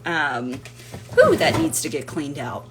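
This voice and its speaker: A woman's voice: deep voice, wildly swooping pitch, slow pace, very noisy. A woman hosting a casual home cooking video, chatty and rambling, with playful sing-song nonsense rhymes. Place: home kitchen.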